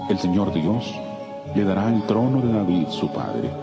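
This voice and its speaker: An actor playing a majestic angel messenger of God in solemn, declamatory scripture drama. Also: male voice, low voice, big pitch swings, unhurried, gravelly, full character voice. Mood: solemn, reassuring. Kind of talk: dramatized scripture audio acting. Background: loud music.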